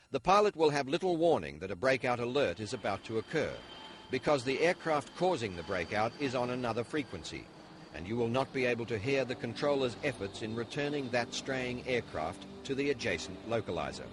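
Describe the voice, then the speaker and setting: A man reading scripted instructional narration in a formal, measured manner, as in a training video. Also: mid-range voice, fairly bright tone.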